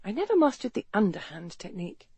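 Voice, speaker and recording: A woman voicing an independent young Victorian woman doctor who speaks crisply and guardedly. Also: medium pitch, very animated, fast, mellow, no room sound.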